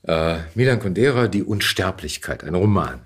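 A middle-aged man speaking as an interview guest in casual conversation, reflective and halting as he searches for words. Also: low voice, big pitch swings, slight background noise.

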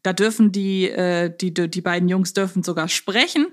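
A woman's voice: fairly low pitch, fairly even intonation, moderate pace. A woman co-hosting a podcast, talking casually and conversationally, thinking aloud as she discusses a series. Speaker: podcast co-host.

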